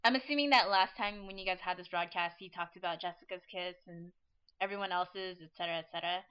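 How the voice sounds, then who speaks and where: A woman's voice: on the low side, quick pace, clear, resonant tone, highs cut off. A woman hosting a casual online fan chat, rambling and laughing often as she talks. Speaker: podcast host.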